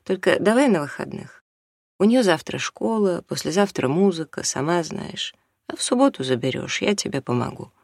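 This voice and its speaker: A reader voicing a patient husband who speaks softly and low, holding back hurt. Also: moderate pace, gravelly, no echo, clean studio sound. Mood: calming. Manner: soft, low, restrained, calming. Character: quiet patient middle-aged husband and father.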